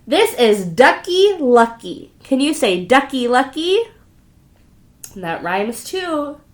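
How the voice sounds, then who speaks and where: A woman's voice: high voice, very animated, slow pace. A woman teacher giving an interactive storybook read-aloud for young children, repeating words and asking questions to invite answers. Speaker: preschool teacher reading aloud.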